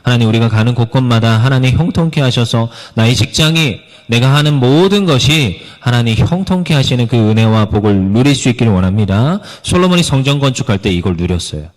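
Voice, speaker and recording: Man, pastor, earnest sermon, mid-pitched voice, long reverb of a church hall. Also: expressive, fairly quick, hardly any pauses. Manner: earnest preaching, acts out pleading prayers.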